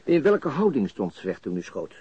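An actor playing a calm, shrewd police detective in a radio crime drama, questioning in a measured, matter-of-fact way. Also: male voice, mid-range voice, husky. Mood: probing. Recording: dull, lo-fi radio recording.

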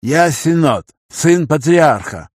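A man voicing an arrogant, cruel man of about forty in an audiobook, making slow, loud threats. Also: on the high side, animated, no room sound, clean studio sound, pitched above the performer's own voice. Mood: sneering threat. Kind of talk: audiobook character reading.

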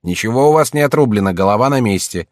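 A man's voice: animated, quick pace, no room sound, studio quality, close to an everyday voice. A man voicing a fretful older servant in a read-aloud tale, in a raised, fussing voice. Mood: reassuring. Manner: high, fussing, chiding.

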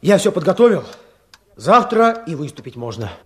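An earnest young village man in a radio play. His voice sits fairly high and moves widely in pitch. He speaks tersely, like someone used to giving orders. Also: very animated, normal speed, slight background noise. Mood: brisk, businesslike. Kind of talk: Russian radio drama acting.

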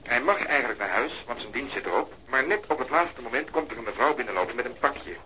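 Long-winded, sly policeman, radio drama: very bright, forceful voice, faint noise behind. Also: mid-range voice, lively intonation, quick pace, rough recording. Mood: teasing, sly. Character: teasing, long-winded male police colleague. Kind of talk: Dutch radio crime drama acting.

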